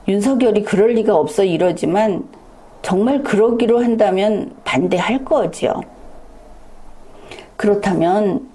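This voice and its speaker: Woman doing a slow political commentary monologue, warm low-key tone, keeps asking her viewers questions. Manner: lecturing, addresses viewers with rhetorical questions.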